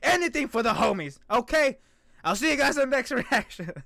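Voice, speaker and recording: A man's voice: very high voice, big pitch swings, fairly quick, vocal fry, pushed and bright, no room sound, clean studio sound. A young man hosting a reaction video with casual, playful, joking and exclamatory commentary. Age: young adult. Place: small indoor room.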